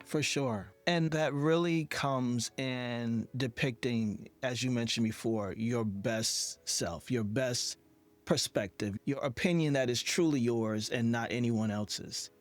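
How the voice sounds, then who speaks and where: A man with a medium-pitched voice hosts a conversational podcast interview. He is affirming and reflective, with faint music playing behind him. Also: slow.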